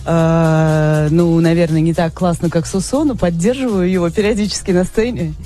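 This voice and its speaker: A woman with a mellow, rounded voice speaks softly and modestly as a guest in a radio studio. Her tone is gentle and a little shy, with faint music under it. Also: on the low side, fairly even intonation, normal speed. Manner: soft-spoken, modest, shy. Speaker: guest, singer and lyricist.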